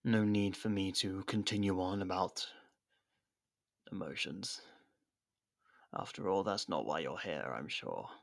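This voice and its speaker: A man playing a captured, haughty royal rival with dry sarcasm and theatrical pauses in an ASMR roleplay. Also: low voice, vocal fry. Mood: bitter longing.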